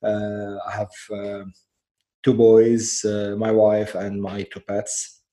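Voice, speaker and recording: A man, a coach telling his story as a guest in a casual interview, halting and trailing off quietly. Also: fairly low pitch, completely flat delivery. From Lebanon. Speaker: guest, life and business coach.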